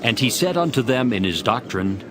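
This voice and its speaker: A man's voice: mid-range voice, animated, normal speed, noisy background. A man narrating scripture from a script in a dramatized audio reading. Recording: voice over prominent background music.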